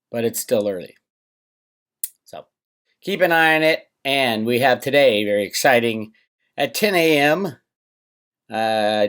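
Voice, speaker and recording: A man hosting a financial commentary vlog, talking casually and emphatically to viewers with opinionated asides and rhetorical questions. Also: mid-range voice.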